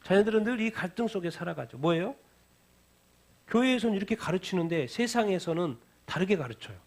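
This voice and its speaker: A man's voice: sits high, animated, a little fast. A male pastor preaching a midweek sermon, asking the congregation questions, answering them himself, and repeating key phrases for emphasis. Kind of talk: midweek Bible-reading sermon. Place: church sanctuary.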